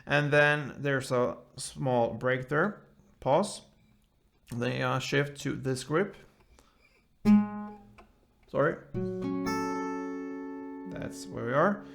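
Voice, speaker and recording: A man with a creaky voice guides a guitar tutorial step by step. He talks slowly and informally, in short phrases with pauses, with light acoustic guitar around his words. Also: medium pitch, fairly bright tone. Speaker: guitar teacher, host. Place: indoors, small room, seated with guitar. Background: acoustic guitar playing.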